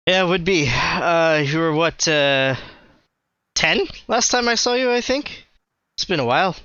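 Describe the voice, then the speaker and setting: A man's voice: fairly high pitch, animated, measured pace, bright, forceful tone, clear, resonant tone, no echo, lo-fi sound, heavily acted. A man voicing a folksy old male dwarf king in a tabletop game, drawling and saying "eh". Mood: friendly. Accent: put-on Canadian-style dwarf voice.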